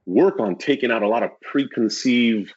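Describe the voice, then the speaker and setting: A man, a real estate agent, talking casually in an interview, acting out clients and his old sales pitch and stumbling over repeated words. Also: normal speed, slightly rough. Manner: animated storyteller, acts out clients and his old sales pitch, laughs often; repeats words when starting. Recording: dull lo-fi sound.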